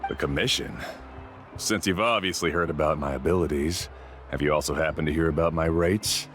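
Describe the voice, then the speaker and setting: A man's voice: rumbling low, fairly quick, fairly bright tone, soft background music. An actor playing a proud, self-assured tribal guide who talks up his own skills. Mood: boastful. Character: boastful top male tribal guide, proud.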